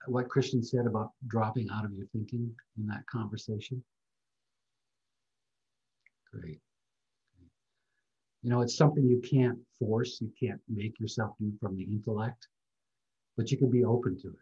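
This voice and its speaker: An older man giving a reflective talk on a video call, speaking softly and gently. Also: on the low side, lo-fi sound. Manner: soft-spoken, slow and gentle. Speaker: guest speaker.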